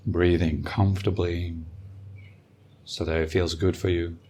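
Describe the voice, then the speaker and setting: Deep-voiced man guiding a slow meditation. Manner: calm, unhurried, with long pauses. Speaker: meditation teacher and podcast host. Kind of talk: guided meditation, slow and soothing.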